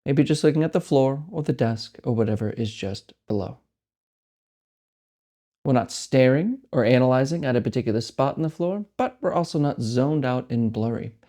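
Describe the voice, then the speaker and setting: A man with a soft-edged, mellow voice guides a meditation. His pitch sits in an ordinary male middle range. He phrases things gently and leaves deliberate space between thoughts, giving simple, calm instruction.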